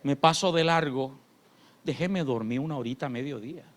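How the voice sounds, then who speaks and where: Impassioned coastal pastor preaching. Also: male voice, mid-range voice, moderate pace. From Colombia. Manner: impassioned preaching that swings from shouting to quiet, confiding talk. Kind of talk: sermon. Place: church sanctuary.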